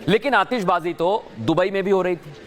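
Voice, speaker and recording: A man's voice: sits high, moderate pace, noisy background. A man anchoring a news report, narrating emphatically and asking viewers rhetorical questions. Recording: music bed under voice.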